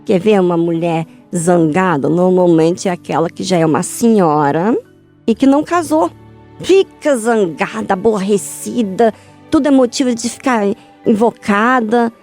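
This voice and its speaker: A woman's voice: medium pitch, a little slow, darkish tone, faint music behind. Earnest woman preaching. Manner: earnest, addresses listeners directly with repeated questions. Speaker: speaker at a church youth meeting. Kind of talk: motivational faith talk to women.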